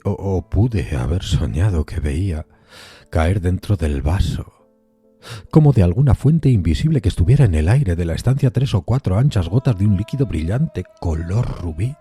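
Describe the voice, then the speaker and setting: A man giving a dramatic, theatrical literary narration of a gothic horror story, moving between hushed and emphatic phrasing. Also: sits low. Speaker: podcast narrator reading a horror tale.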